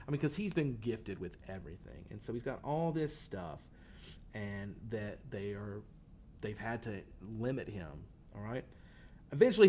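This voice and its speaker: A man's voice: mid-range voice, a little mellow, slight background noise. A male teacher giving a casual classroom lecture on a short story, talking in a conversational way with many fillers and restarts.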